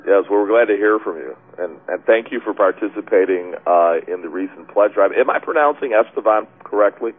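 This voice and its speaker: A man's voice: on the low side, brisk, few pauses. A man hosting a call-in webcast, chatting casually with many fillers. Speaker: webcast host. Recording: tinny phone-line sound.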